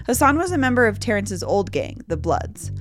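A woman host narrating a scripted news story in a clear, measured way. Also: mid-range voice, sing-song. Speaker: podcast host. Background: music.

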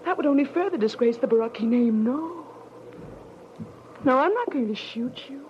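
A vengeful, half-crazed widow in an old radio thriller. Her high voice swoops widely with theatrical scorn and menace. The recording is muffled. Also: expressive, moderate pace, slight background noise. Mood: menacing, unhinged. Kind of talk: 1940s radio crime drama acting.

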